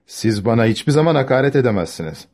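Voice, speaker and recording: A man's voice: medium pitch, lively intonation, quick pace, a little mellow, husky. A man reading the part of an arrogant young officer who speaks with scorn, in an audiobook. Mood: scornful. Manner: dismissive, haughty.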